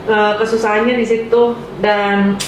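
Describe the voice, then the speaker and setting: Actress in a very echoey room. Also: female voice, medium pitch, flat delivery, measured pace. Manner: chatty, laughs while talking. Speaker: actress in a promotional interview. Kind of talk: casual chat. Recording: very echoey room, faint noise.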